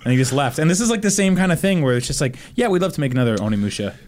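A man chatting casually on a video game podcast in an animated, emphatic way. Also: on the high side, rapid-fire. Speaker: podcast panelist. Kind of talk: casual chat about video games.

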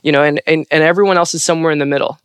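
A woman's voice: sits low, very fast, clean tone, dry recording, studio quality. A trans woman from California, a Foley artist, chatting casually on a podcast with a fairly androgynous voice. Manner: animated, androgynous voice.

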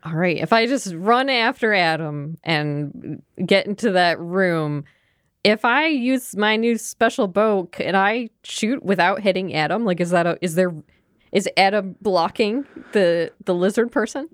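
A woman playing a tabletop game, unsure and halting as she asks questions. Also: medium pitch, expressive, no room sound, clean studio sound. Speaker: player. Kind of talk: casual tabletop game chat.

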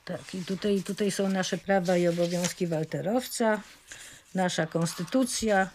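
An older woman reminiscing casually about her scouting youth, halting and often interrupting herself. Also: lowish voice, darkish tone, slight background noise.

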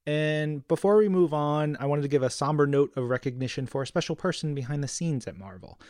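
A man's voice: fairly high pitch, a little fast, a little mellow, no room sound, studio quality. A man hosting a podcast, reading scripted segments as a presenter. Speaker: podcast host.

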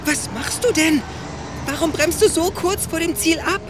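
Anxious, squeaky-high little computer program. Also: female voice, moderate pace, very noisy. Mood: worried. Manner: childlike, anxious, excitable. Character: small timid computer ticket program, anxious loyal companion. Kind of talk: children's audio drama acting. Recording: loud music under the voice.

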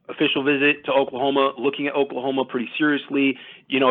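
A man giving casual, detailed sports recruiting analysis as a guest, talking conversationally at length. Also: medium pitch. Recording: thin phone-like audio.

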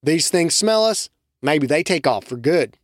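A narrator doing a cold, commanding cowboy hunter. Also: male voice, fairly high pitch, a little slow, no echo, studio quality. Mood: planning. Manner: calm, commanding, drawling.

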